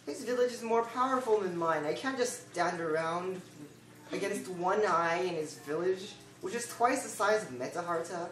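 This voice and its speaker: A young woman playing a stern, measured male tribal chief in an amateur puppet show, with a deliberate storytelling delivery. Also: on the low side, lively intonation, lightly acted. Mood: confident. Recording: roomy, distant home recording.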